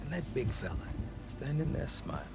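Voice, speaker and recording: Wily, animated tribal trader man. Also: medium pitch, moderate pace, noisy background. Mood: defensive, wry. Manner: wry, theatrical, self-justifying. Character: gruff, wily, sentimental male tribal trader. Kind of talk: video game cutscene acting.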